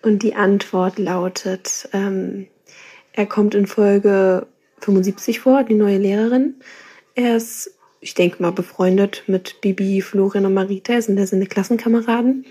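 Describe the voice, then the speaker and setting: Husky, mellow young woman with a casual message. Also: mid-range voice, fairly even intonation, measured pace. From Berlin, Germany. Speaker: listener sending in a quiz question.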